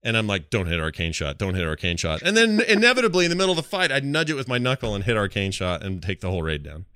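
A man's voice: lowish voice, wildly swooping pitch, fast, sharp tone, clean tone, dry recording, clean studio sound. A man hosting a gaming podcast, talking casually and rambling through informal asides. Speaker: podcast host.

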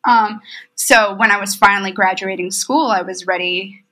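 A woman's voice: mid-range voice, normal speed, low-quality recording. A woman in her thirties from Romania, a tour manager, telling stories as an interview guest. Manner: storytelling, quotes others with lively asides. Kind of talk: casual interview chat. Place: remote call from home.

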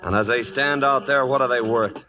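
An actor playing a hard, stubborn cattle baron with an American accent and a gruff, commanding manner in a radio western. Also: male voice, medium pitch, fairly quick, close to an everyday voice. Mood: grimly determined. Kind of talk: 1940s radio western acting. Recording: dull vintage radio recording.

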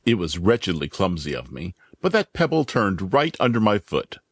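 Narrator dropping to a deep quick meek young guy, apologizing, lots of swing in it. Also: sing-song, dry recording, studio quality, heavily acted. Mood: apologetic. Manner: hurried and entreating.

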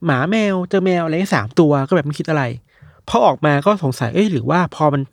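Fast-talking young man telling stories. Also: a little high, creaky, slightly rough, dry recording, clean studio sound. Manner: animated retelling, acts out quoted voices. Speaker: podcast host telling news stories. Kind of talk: casual storytelling chat.

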